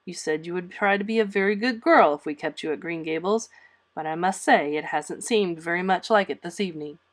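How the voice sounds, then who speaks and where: A woman's voice: on the low side, brisk, natural voice. This is an elderly spinster guardian voiced by a woman from a storybook. She is stern and dry. She scolds firmly, in clipped phrases that allow no argument.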